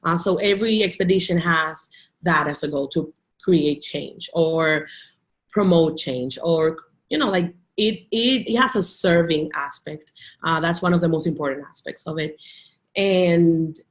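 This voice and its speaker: Chatty Dominican woman teacher, low voice. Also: a little slow. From Dominican Republic. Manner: chatty, many "like" fillers and restarts. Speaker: teacher, interview guest. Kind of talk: casual video interview.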